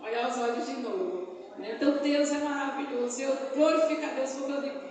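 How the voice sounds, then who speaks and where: A Brazilian woman delivers a fervent sermon with a high voice. She keeps checking in with the congregation through little tag questions and bursts of praise. Her voice reaches the mic from a distance, filling a big echoing church hall with a long reverb tail. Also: fairly quick, a little mellow, a little hiss or hum. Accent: Brazilian Portuguese. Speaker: missionary preacher. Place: church hall during a family service.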